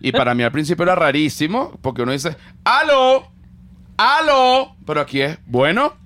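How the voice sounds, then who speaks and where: A man with a Venezuelan accent hosting a casual podcast chat, talking in an animated, jokey way and swearing freely. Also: fairly high pitch, fast, dry recording. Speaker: podcast host.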